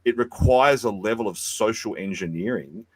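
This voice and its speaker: An Australian man arguing forcefully and sardonically in a podcast debate, often repeating words as he goes. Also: lowish voice, normal speed, breathy edge, no room sound. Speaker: debate guest.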